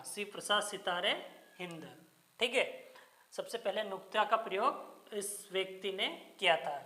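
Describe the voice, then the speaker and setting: Slow, patient woman teacher. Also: on the high side, roomy sound. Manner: asks a question and answers it herself, repeats key terms; patient, deliberate explaining. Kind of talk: classroom Hindi grammar lecture.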